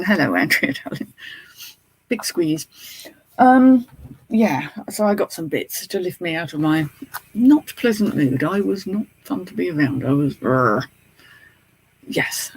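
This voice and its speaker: Casual British male streamer, rambling and chatty, slight retainer-style lisp, higher-set voice with gravelly fry. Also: no echo, poor audio. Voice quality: slight lisp from a mouth appliance. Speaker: online reseller and streamer. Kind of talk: casual live chat to viewers.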